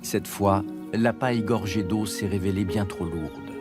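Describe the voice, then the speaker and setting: A man's voice: lowish voice, unhurried. A man reading scripted narration for a nature documentary, with music behind him. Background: background music.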